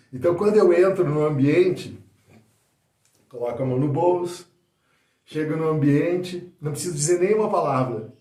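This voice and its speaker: A man gives a spoken lesson on public speaking, shifting his loudness, speed and pitch on purpose to demonstrate. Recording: roomy echo.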